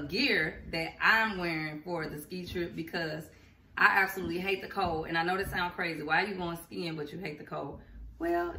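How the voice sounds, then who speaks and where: A middle-aged woman talking casually to camera in her home kitchen, chatty and encouraging. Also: lowish voice. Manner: chatty, encouraging, animated with hands. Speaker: vlogger. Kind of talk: casual vlog talk to camera. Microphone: camera in front at arm's length. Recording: roomy kitchen, faint background noise.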